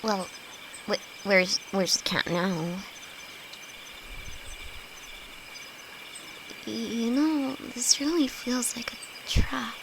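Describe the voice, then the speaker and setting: Casting: woman to play nervous young female alchemist, fantasy roleplay. Higher-leaning voice, hesitant, affectionate, easily spooked; loud cricket-filled night ambience behind. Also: expressive, slow, noisy background. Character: timid, easily frightened young female apprentice alchemist, affectionate best friend. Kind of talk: fantasy roleplay audio drama, intimate one-sided dialogue. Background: crickets and forest ambience.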